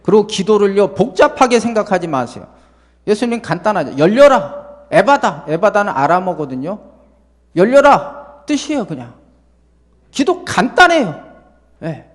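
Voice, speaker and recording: A male pastor preaching a sermon to his congregation, lively and full of rhetorical questions. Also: sits high, normal speed, long reverb tail. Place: church sanctuary.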